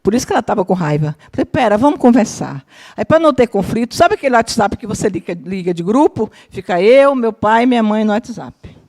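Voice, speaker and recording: A woman's voice: on the high side, brisk. A woman around fifty, a psychologist teaching a spiritist course, tells personal family stories to a live audience, keeps asking whether they follow, and acts out what her relatives said. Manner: lively, keeps checking in with listeners, acts out quoted family members. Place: lecture room with a live audience.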